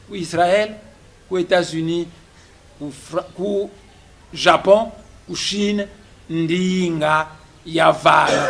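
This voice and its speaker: A man whose first language is Kikongo, giving a deliberate press conference statement as a politician. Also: a little high, vocal fry, a bit bright, husky. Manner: slow, deliberate delivery, switching between French and Kikongo.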